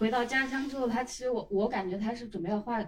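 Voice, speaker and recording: A woman speaks in a dark, mellow tone. Her voice is somewhat breathy, with ordinary pitch variation. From Hubei. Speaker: film viewer. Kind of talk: casual chat.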